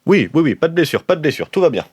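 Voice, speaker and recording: A man's voice: on the high side, big pitch swings, racing, a little mellow, husky, dry recording, highs cut off. A man improvising in character as a tabletop game player, with a dryly comic, self-mocking manner.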